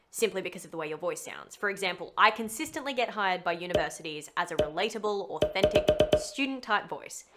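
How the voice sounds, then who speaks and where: A voice actor with a fairly low, fairly bright voice narrates a scripted tutorial to camera on making a demo reel. She's chatty and emphatic, with some self-deprecating humour.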